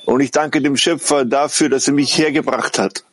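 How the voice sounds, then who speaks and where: A man giving a halting live spoken translation of a heartfelt testimonial, often correcting himself as he goes. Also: mid-range voice, steady tone. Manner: halting, self-correcting delivery.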